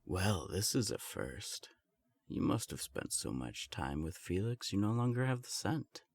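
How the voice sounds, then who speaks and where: A man playing a formal vampire elder in an audio drama, measured and dryly condescending. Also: low-pitched, sing-song, creaky, no echo, exaggerated voice.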